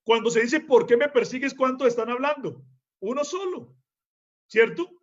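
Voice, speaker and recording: A man's voice: very high-pitched, expressive, normal speed, muffled recording. A male preacher teaching from the Bible in a sermon, emphatic, often putting rhetorical questions to his listeners.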